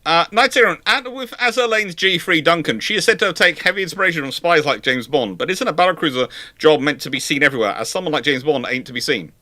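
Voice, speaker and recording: A man's voice: on the high side, quick pace, few pauses, bright, forceful tone. A British man in his forties hosting a casual live question-and-answer chat, rambling and emphatic in his opinions. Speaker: live stream host.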